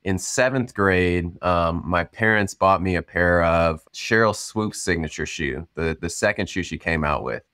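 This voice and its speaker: A man born in Cameroon, a startup founder, talking through his story in a relaxed, chatty way with lots of ums and you-knows. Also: low voice, a little slow, hardly any pauses, smooth, no echo, studio quality. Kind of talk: casual storytelling interview.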